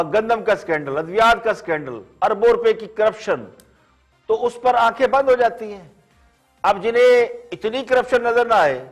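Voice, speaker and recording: A man with a Pakistani Urdu accent hosts a news commentary show. His voice sits high, and his delivery is measured and ironic. Soft music plays underneath. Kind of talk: scripted commentary to camera.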